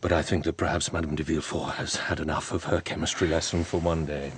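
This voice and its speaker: An actor playing a suave, mysterious wealthy count who speaks in a smooth, teasing, measured way. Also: male voice, a bass voice, flat delivery, a bit bright, a little hiss or hum. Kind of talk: radio drama acting.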